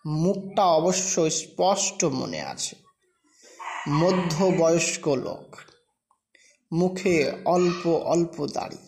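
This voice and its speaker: A woman narrating a scripted first-person short story in a measured, dramatic reading with pauses. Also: deep voice, lively intonation, darkish tone.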